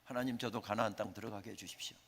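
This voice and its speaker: A man's voice: lowish voice, steady tone, racing, pitched below the performer's own voice. A man, preaching, voices an aging male prophet earnestly pleading with God in a reverberant church sanctuary.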